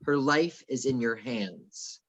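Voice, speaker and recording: A man playing an earnest, anxious, officious personal assistant in a script table read, speaking formally and gravely. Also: mid-range voice, slow pace, fairly bright tone. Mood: grave, pleading.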